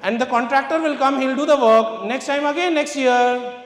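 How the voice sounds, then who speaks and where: A man's voice: very high-pitched, normal speed. A middle-aged man giving an emphatic motivational finance presentation in short repeated phrases and rhetorical questions. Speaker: investment speaker. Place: large auditorium stage. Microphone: handheld microphone through hall sound. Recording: echoey large hall, long reverb.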